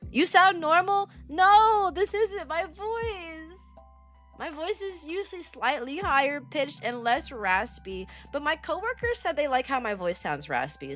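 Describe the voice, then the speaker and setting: A woman livestreaming in a loose, chatty way, answering chat as she rambles from one thing to the next. Her voice is raspy and a little weak from allergies, yet it keeps a bright, forward edge. Soft music plays faintly behind her. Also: high voice. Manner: chatty and rambling, casual slang. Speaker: VTuber streamer. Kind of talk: casual livestream chat, replying to chat.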